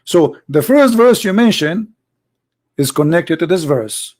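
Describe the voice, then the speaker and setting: Arab speaking guy debating religion, english, keeps repeating questions, kinda high voice. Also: lively intonation, unhurried, a little mellow. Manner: insistent, repeats questions, non-native English phrasing. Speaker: host debating religion with a caller.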